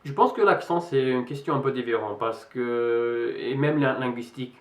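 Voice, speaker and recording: A man's voice: mid-range voice, moderate pace. A young Englishman with an English accent that carries a slight American tinge. He speaks French as a learner in a casual vlog, hesitating with many fillers and restarts. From England. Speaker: vlogger. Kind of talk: casual vlog talk to camera. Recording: roomy echo.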